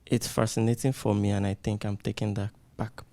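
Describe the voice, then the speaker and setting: A man's voice: on the low side, flat delivery, fairly quick, warm tone. A man with a Nigerian accent making spontaneous remarks as a participant in a group discussion. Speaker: fellowship participant.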